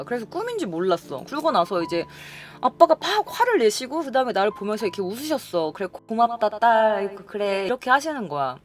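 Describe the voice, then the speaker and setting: A young woman casually telling viewers about her dreams in a chatty, lively way. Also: a little high. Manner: chatty, lively, acts out quoted lines.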